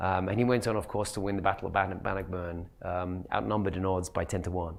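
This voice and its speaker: Very deep and low in pitch, a man speaks at a very fast pace in a monotone, flat intonation, with audible room echo. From Scotland, Edinburgh. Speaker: conference speaker, tech consultant. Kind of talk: conference presentation. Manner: hesitant, many fillers.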